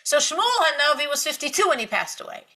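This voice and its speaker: Bright, gravelly woman teaching Torah. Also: high voice, brisk. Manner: animated storytelling with emphatic repetition; laughs lightly between points. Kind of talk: spiritual lecture to women.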